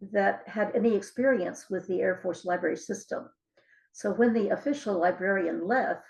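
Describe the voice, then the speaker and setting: Older woman with a creaky, gravelly voice. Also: medium pitch, rough recording. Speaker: author being interviewed. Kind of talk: conversational interview recollection.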